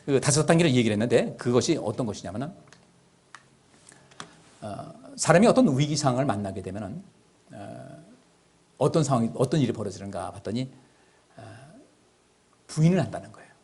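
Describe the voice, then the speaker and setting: A man preaching a Sunday sermon as pastor, acting out quoted voices and swinging from loud outbursts to hushed asides. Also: medium pitch, animated, fairly quick, pauses often, slightly rough. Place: church sanctuary.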